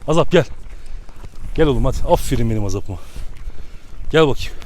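A man's voice: mid-range voice, lively intonation, brisk, a little mellow, a little hiss or hum. A man on a farm, coaxing and scolding his dogs in a friendly way while chatting to viewers. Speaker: shepherd-dog keeper vlogger. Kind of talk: casual outdoor vlog, coaxing dogs. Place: outdoors on a muddy farm. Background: animals and rural outdoor ambience.

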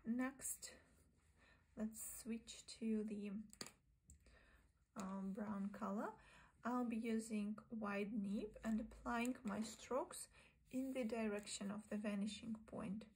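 A woman teaching a sketching lesson, narrating calmly and often half-whispering while she draws at a desk. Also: on the high side, slow pace, slight background noise, low-quality recording. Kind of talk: soft-spoken drawing tutorial. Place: indoors at a desk, overhead camera on the sketchbook.

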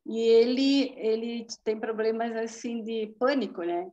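Woman, casual testimonial over a video call; chatty and quick to laugh, slightly muffled audio. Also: a little high, fairly even intonation, warm tone, a little hiss or hum. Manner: chatty, laughs often, frequent tag questions. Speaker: therapy practitioner giving a testimonial.

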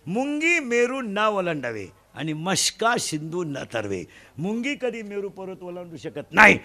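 High-voiced man preaching a comic sermon. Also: unhurried. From Maharashtra. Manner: animated, loud bursts, mimics village folk. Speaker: kirtan preacher.

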